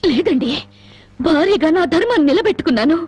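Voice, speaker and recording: Bitter, wronged young wife. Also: female voice, high-pitched, very animated, quick pace, dry recording. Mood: bitter sarcasm. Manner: sharp sarcastic reproach, tearful at times. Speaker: film actress. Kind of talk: melodramatic film acting. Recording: film soundtrack with loud score.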